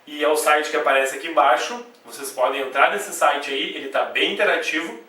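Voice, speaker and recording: In a video lesson at a whiteboard, a Brazilian man with a bright, somewhat high voice and a Brazilian Portuguese accent teaches grammar step by step, sounding out syllables slowly and checking in often with "né?" and "tá?". A camcorder mic placed some distance away captures him in a very echoey room.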